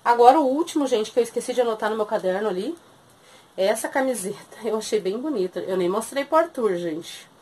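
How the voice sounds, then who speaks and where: A woman's voice: fairly high pitch, lively intonation, brisk, a little mellow, husky. A woman in her thirties with a southern Brazilian accent, chatting casually as she shows and prices secondhand clothes in a small shop. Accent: southern Brazilian Portuguese. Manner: chatty, keeps calling viewers "gente". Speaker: thrift shop seller. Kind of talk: casual sales video.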